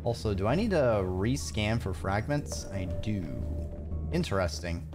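A man's voice: lowish voice, big pitch swings, unhurried, over music. A man livestreaming a video game with casual, rambling, hesitant commentary.

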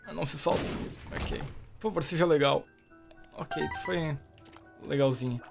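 A man with a Brazilian Portuguese accent commenting on his gameplay in a chatty way, reacting loudly and joking at enemies. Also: a little high, moderate pace, creaky, music in the background. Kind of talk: let's play commentary.

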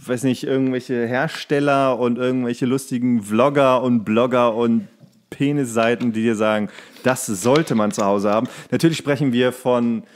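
Man, medium pitch, casual comedy banter, colloquial, rambling, podcast co-host. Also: fairly even intonation, normal speed. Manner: rambling, colloquial, crude joking.

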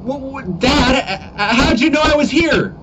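A man voicing a whiny, defiant, excitable schoolboy in an amateur comedy animation, on a cheap webcam mic. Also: very high-pitched, measured pace, over music, voice pushed up. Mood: nervous.

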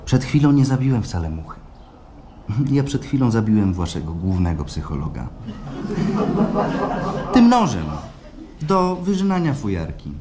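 An actor playing an obsessive, nervous client who confides in a fretful storytelling manner in a live radio play. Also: male voice, on the low side, big pitch swings, normal speed, pauses often, warm tone. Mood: chillingly calm. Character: obsessive male client, nervously confessing, eerily elated. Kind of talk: live radio play acting, intimate monologue. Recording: noisy live stage recording.

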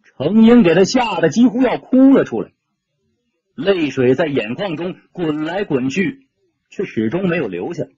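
A man's voice: fairly high pitch, sing-song, normal speed, mellow, husky, no room sound, lo-fi sound. A man narrating an audiobook story dramatically, shifting his tone with the action.

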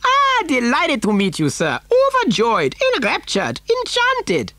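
Eccentric old factory owner, very high-pitched, wildly swooping, gushing, exclamatory, storybook character. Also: male voice, huge pitch swings, a little slow, bright, forceful tone, no room sound, exaggerated voice. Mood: overjoyed, fussy. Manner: effusive, fussy, exclamatory, repeats words.

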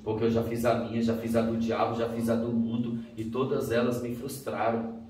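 A man's voice: mid-range voice, level tone, normal speed, a little mellow. A man with a Brazilian Portuguese accent giving a dramatic testimony sermon as a preacher. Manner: dramatic storytelling, acting out dialogue in raised voices. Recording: roomy, distant mic.

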